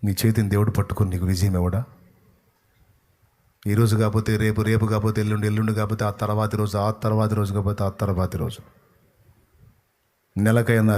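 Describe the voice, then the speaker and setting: A male pastor preaching a sermon emphatically, swinging between loud rebukes and low, earnest tones.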